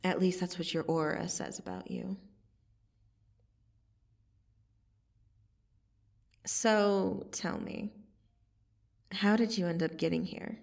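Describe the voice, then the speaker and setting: A woman playing a menacing yet softening vampire assassin in an ASMR roleplay, intimate and deliberate, often slipping into a breathy whisper. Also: lowish voice, recorded from a distance. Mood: teasing, curious. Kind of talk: ASMR roleplay, scripted dramatic monologue.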